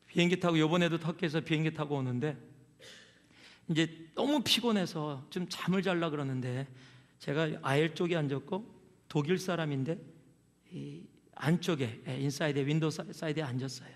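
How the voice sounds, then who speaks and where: High-voiced pastor preaching in a hall. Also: male voice, normal speed. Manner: conversational storytelling with questions to the congregation. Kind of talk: sermon. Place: church sanctuary.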